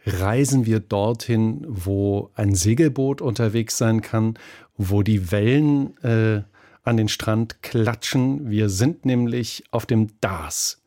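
Radio host guy, warm mellow tone, easygoing chatty interviewer. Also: lowish voice, slow pace. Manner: relaxed, friendly interviewing. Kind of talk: radio talk show moderation.

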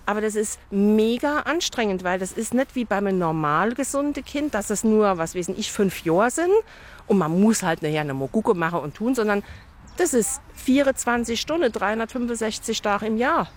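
A woman's voice: mid-range voice, lively intonation, normal speed. A woman in her fifties with a Saarland dialect, talking casually and bluntly about her own life as an interviewee. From Saarland, Germany. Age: 50s. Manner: chatty, blunt, dialect-coloured speech. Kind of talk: casual personal account.

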